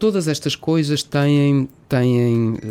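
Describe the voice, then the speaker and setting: In an unremarkable speaking voice, a man talks at a medium pitch with ordinary pitch variation. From Lisbon area, Portugal (childhood in Africa). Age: 50s. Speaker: marine biology professor. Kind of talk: interview.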